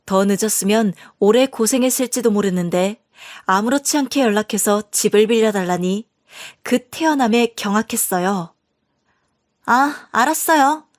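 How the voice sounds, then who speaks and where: A woman's voice: medium pitch, normal speed, a little mellow, no echo, studio quality. A woman narrating a scripted first-person story in an earnest, indignant storytelling manner.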